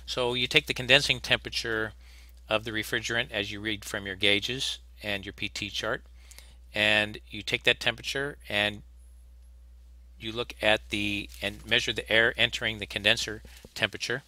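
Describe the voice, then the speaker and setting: A man's voice: fairly low pitch, fairly even intonation, moderate pace, sharp tone, dry recording. A man teaching HVAC technicians in a recorded slide lecture, plainspoken and practical, often restarting his sentences. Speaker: HVAC instructor.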